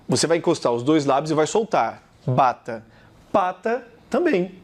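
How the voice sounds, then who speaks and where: A man with a Brazilian Portuguese accent teaches a recorded video lesson, addressing the viewer directly and repeating example words slowly. His voice is on the high side.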